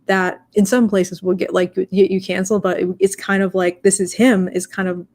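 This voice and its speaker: A woman's voice: medium pitch, level tone, moderate pace, darkish tone. A young woman in casual discussion, talking in a rambling way with many fillers and restarts.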